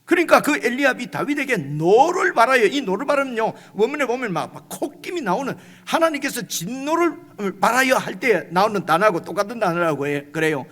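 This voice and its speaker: A man's voice: very high voice, very animated, a little fast, hardly any pauses, a bit bright, long reverb tail. A male pastor preaching a midweek sermon in a conversational way, often asking the congregation "right?" and acting out quoted lines. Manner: acts out quoted lines with rising intensity. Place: church sanctuary.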